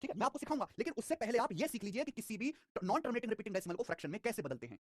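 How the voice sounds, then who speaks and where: This young man's high voice comes through a dry, clean studio recording. He leads a live online math class at a fast, lively pace, repeating numbers and phrases constantly and scolding his students with life advice.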